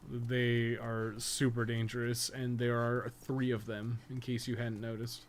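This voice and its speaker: A man's voice: medium pitch, flat delivery, measured pace. A man giving casual live gameplay commentary as a streamer, swearing casually. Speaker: game livestreamer. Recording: clearly noisy background.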